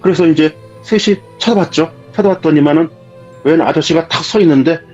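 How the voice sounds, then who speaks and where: A man with a husky voice, telling a true ghost story in a vivid, dramatic way as a guest in casual spoken storytelling. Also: a little high, brisk, darkish tone. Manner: vivid, dramatic retelling of events. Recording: dull lo-fi sound with faint music.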